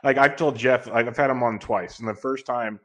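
A man in his thirties hosting a podcast, loud and carrying, talking earnestly and rambling with many restarts. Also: mid-range voice, steady tone, a little fast. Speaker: podcast host. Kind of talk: casual podcast chat.

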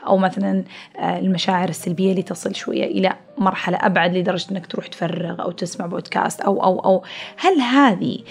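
A woman's voice: fairly low pitch, gravelly, darkish tone. A woman hosting a podcast, explaining ideas in a chatty way through everyday comparisons, often restarting her sentences. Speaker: podcast host. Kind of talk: casual explanatory talk.

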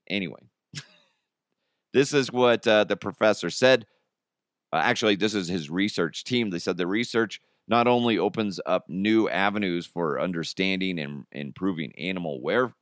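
A man's voice: lowish voice, a bit bright, clear, resonant tone, no room sound, studio quality. A man hosting a podcast with casual, jokey comedic commentary on the news. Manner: jokey, chuckles at own jokes. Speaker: podcast host.

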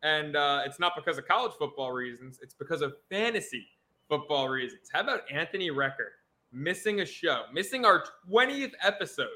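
A man co-hosting a casual sports podcast, excitable and jokey. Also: fairly high pitch, fairly quick. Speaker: podcast co-host.

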